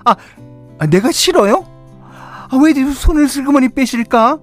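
A man's voice: very high voice, lively intonation, moderate pace, faint music behind, pitched above the performer's own voice. A man voicing an affectionate older wife who coaxes and teases her husband in a wheedling way, for a radio story. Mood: coaxing. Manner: wheedling, teasing complaints.

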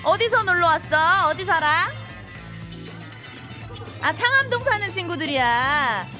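A woman's voice: extremely high pitch, animated, a little slow, music in the background. A woman in her thirties hosting a live radio show, chatting and teasing her listeners as she reads their messages. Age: 30s.

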